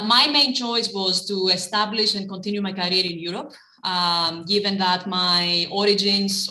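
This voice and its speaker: A middle-aged woman from Greece, answering interview questions in a measured way, with frequent ums and restarts. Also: mid-range voice, bright, forceful tone. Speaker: guest, private equity managing partner. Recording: echoey room.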